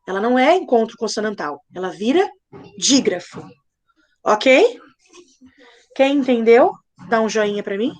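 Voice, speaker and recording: A woman with a high voice teaches children in a live online lesson. She is patient and playful, and she breaks every point into slow, clear steps. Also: big pitch swings. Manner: playful, patient, spells things out slowly. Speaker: primary school teacher.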